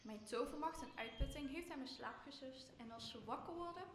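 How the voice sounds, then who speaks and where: An eager servant spirit of the air, acted by a young woman, earnest and deferential in a radio play. The fairly high voice rings with room echo, and loud music plays behind it. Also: brisk, lightly acted. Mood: proud, eager. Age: young adult. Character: devoted shape-shifting air spirit, eager servant longing for freedom. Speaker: drama student actor. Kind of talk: Dutch radio play, Shakespeare adaptation.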